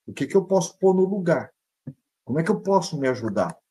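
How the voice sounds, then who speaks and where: A middle-aged man with a Brazilian Portuguese accent, a psychologist giving a motivational live talk, jumping between high and low pitch as he acts out people's worried thoughts. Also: big pitch swings, fairly quick, dark tone, slightly rough.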